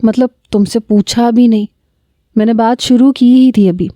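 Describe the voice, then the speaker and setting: A woman's voice: on the high side, fairly even intonation, mellow, dry recording, close to an everyday voice. A woman reading a story aloud, voicing a flustered young man who stammers nervously.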